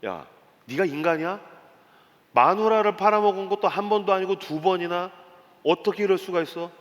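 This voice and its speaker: A man voicing a menacing, blunt tough-guy God who barks threats in rough slang, with a long hall echo. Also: high-pitched, a little fast, lightly acted. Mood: scolding. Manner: gruff street-thug slang, barking orders.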